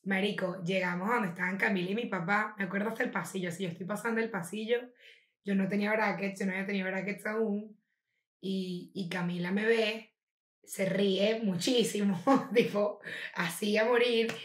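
A woman's voice: mid-range voice, normal speed, reverberant. A young adult woman with a Venezuelan accent, co-hosting a podcast and telling stories in a casual chat, packed with slang. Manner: animated storytelling, heavy slang. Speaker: podcast co-host.

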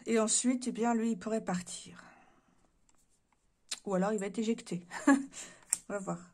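A woman's voice: fairly high pitch, unhurried, darkish tone. A woman doing a casual card reading to camera indoors, musing aloud with many hesitations and her voice giving out. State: voice giving out, clears throat. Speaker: card reader. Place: room indoors.

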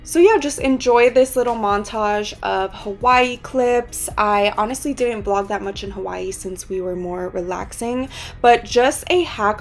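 A young woman in her twenties with a hoarse, worn voice, chatting casually as a travel vlogger and rambling with little laughs between phrases. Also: medium pitch. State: hoarse, lost voice. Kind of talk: casual vlog voice-over and to-camera talk.

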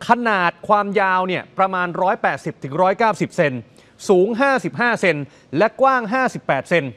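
A man presents the news with a high, ringing voice. He puts heavy stress on his words and keeps turning to the audience as he reports. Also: fairly bright tone. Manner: emphatic, addresses viewers directly.

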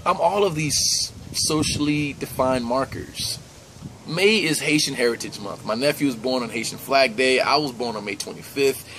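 A man's voice: mid-range voice, moderate pace, a bit bright, a little hiss or hum, poor audio. A young man from the United States talking earnestly and conversationally to the camera in a personal vlog, recorded indoors close to the camera. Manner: earnest, conversational, with easy laughs. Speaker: vlogger. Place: indoors by a plain wall.

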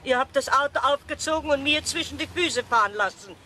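A woman's voice: high-pitched, brisk, sharp tone. A woman playing an indignant, grumpy older lady, scolding huffily in a children's audio drama. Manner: scolding, huffy. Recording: faint noise on old cassette.

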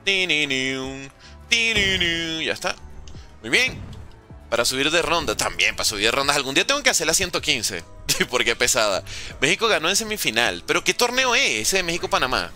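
A gaming streamer from Venezuela chats casually at home in a room with a window, reading chat aloud and joking with viewers while he plays. His voice is on the high side, very animated, fairly quick, and sharp, with soft background music behind him.

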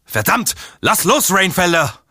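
A man's voice: sits high, very animated, unhurried, sharp tone, no room sound, heavily acted. A man performing lines in the style of a German horror radio drama. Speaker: voice actor.

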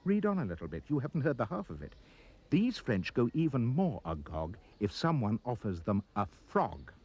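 A man reading a rhyming children's poem aloud as an expressive storyteller. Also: normal speed, breathy edge. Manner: expressive storyteller, swooping pitch. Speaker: reader.

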